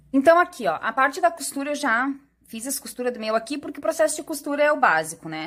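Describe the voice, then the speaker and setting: On a very clean recording with a silent background, a woman talks at a fairly quick pace with a high pitch. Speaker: crochet teacher. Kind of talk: tutorial. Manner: fast.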